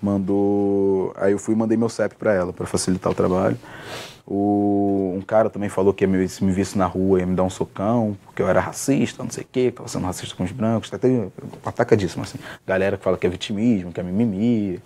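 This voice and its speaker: A young man, a stand-up comedian telling stories in a casual interview, with many restarts. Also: sits low. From Rio de Janeiro, Brazil. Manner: fast, relaxed storytelling with many restarts and fillers.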